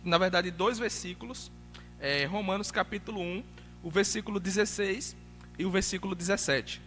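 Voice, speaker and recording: High bright-voiced Northeastern Brazilian preacher. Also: male voice, moderate pace, in a large hall, faint music behind. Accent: Alagoas Northeastern Brazilian Portuguese. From Alagoas, Brazil. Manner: conversational, building to emphatic preaching. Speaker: missionary preacher. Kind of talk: sermon. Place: church sanctuary.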